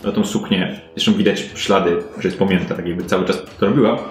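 A man's voice: low-pitched, steady tone, fast. A man running a tabletop role-playing game, improvising descriptive narration in a conversational way. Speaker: game master. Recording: roomy, echoey indoor recording.

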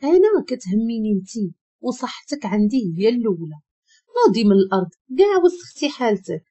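A distraught young husband with a Moroccan accent, as a woman narrator puts him on, pleading urgently. The voice stays high, husky and soft-edged, with a lively swing in pitch. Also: brisk.

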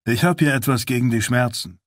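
A man's voice: mid-range voice, brisk, no echo, natural voice. Caring male officer, persuasive, in the male reader's plain voice, dry. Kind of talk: audiobook character voice.

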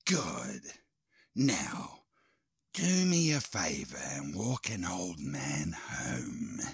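A man playing a creepy, gloating old undead grave robber in an audio drama, raspy, drawling and theatrical. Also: low voice, very animated, very slow, no echo, clean studio sound, exaggerated voice. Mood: smugly threatening.

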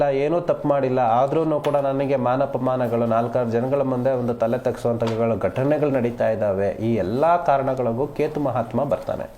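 On a live call-in show, a man plays an astrologer, his mid-range voice calm and reassuring as he slowly draws out the key phrases.

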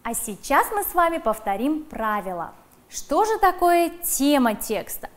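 Lively high-voiced woman teaching children. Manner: slow, emphatic dictation of words; addresses children directly. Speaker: primary school teacher. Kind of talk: televised classroom lesson.

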